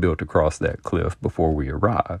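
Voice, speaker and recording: With a Southern US accent, a man talks at a moderate pace in a very deep, low pitch. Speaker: podcast host. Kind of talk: solo podcast monologue. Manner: informal, conversational.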